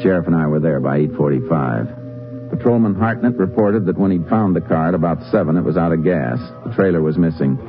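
Steady Texas Ranger investigator, deep and matter-of-fact, 1950s radio crime drama with dull sound and music around it. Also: male voice, brisk. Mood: narrating. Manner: terse, methodical, matter-of-fact questioning.

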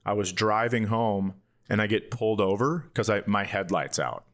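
A man's voice: lowish voice, normal speed, a bit bright. A middle-aged man, a comedian and podcast co-host, telling casual comic stories in a candid, self-deprecating way.

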